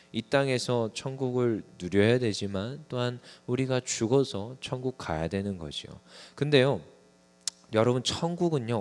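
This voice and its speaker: A young man preaching a conversational sermon to a small congregation, acting out little scenes as he goes. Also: on the low side. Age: young adult. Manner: conversational, lively sermon with acted asides to the congregation.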